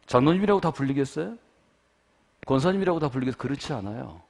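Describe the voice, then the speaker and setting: A middle-aged Korean male pastor preaching a revival sermon, dropping to hushed asides and then rising into loud, fervent calls to the congregation. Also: medium pitch, expressive, fast, gravelly. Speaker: guest pastor.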